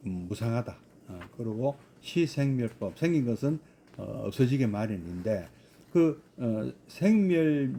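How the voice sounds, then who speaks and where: A man's voice: mid-range voice, mellow, slight background noise. A man, a Buddhist monk, giving a scripture study lecture with many hesitant fillers and rhetorical questions.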